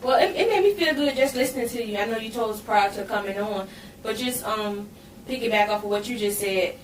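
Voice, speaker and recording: A woman's voice: mid-range voice, a little fast, recorded from a distance. Brief: woman podcast host, encouraging interviewer, voice sits back from the mic in a roomy space. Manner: affirming, frequent backchannels. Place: podcast studio. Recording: roomy, off-mic with faint hiss.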